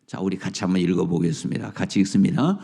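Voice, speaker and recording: A male pastor preaching a sermon at an early morning prayer service, dramatic, dropping to whispers and rising to loud lines. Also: low voice, fairly even intonation, quick pace, creaky, husky.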